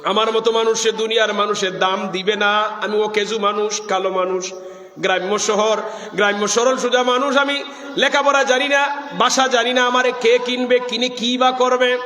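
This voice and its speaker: Man doing a meek village man, pleading, Sylheti Bengali accent, high voice, echoing reverb. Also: flat delivery, normal speed. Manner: pleading, tearful tone. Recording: echoey loudspeaker sound with long reverb.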